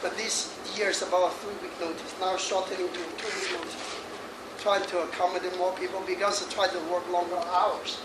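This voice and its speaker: This feng shui master, a man in his sixties, speaks a little fast in a high, level voice while giving a jokey talk to a hall audience. He laughs a lot and chats between points, and the distant recording is echoey with background noise.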